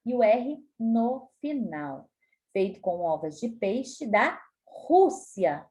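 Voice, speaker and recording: A woman with a Brazilian Portuguese accent teaching a spelling lesson to children, explaining patiently and stretching words out slowly. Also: fairly high pitch, very animated, mellow. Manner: slow, stretches words out syllable by syllable; frequent tag questions, patient explaining tone. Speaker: primary school teacher.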